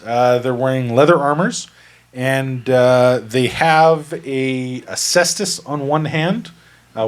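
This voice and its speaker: A man running a tabletop game as game master, describing the scene methodically. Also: medium pitch. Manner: methodical, explanatory.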